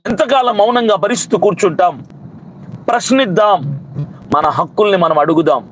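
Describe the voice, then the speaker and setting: A man's voice: high voice, moderate pace, low-quality recording. A man, a Christian preacher and activist, gives an impassioned protest speech to the camera. He scolds hard and piles up repeated rhetorical questions.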